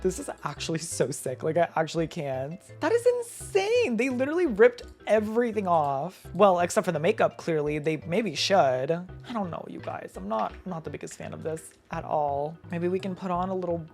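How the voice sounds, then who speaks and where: A young woman narrates her gameplay in a casual, chatty way, her voice leaping up and down with dramatic exclamations. She sounds like a gaming creator talking straight to her viewers. Soft background music plays faintly under her voice. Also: lowish voice, lively intonation. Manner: dramatic, exclamatory, quick reactions. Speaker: gaming YouTuber.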